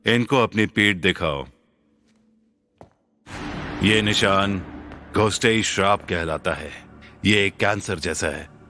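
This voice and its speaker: A deep, stern middle-aged father. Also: slow, pauses often, bright, forceful tone, a little hiss or hum, exaggerated voice.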